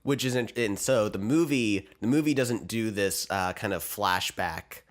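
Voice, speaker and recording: A man's voice: on the low side, measured pace. A man hosting a book-and-film podcast, a little sick and nasal, chatting casually with plenty of fillers from a living room. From United States. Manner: chatty, self-deprecating, many fillers. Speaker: podcast host. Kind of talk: casual chat. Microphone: new podcast microphone.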